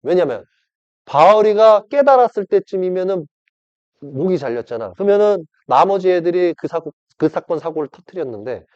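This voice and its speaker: A man's voice: high-pitched, animated, moderate pace, darkish tone, dry recording. A man preaching an informal sermon, acting out dialogues and addressing the audience directly. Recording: dull lo-fi dry recording.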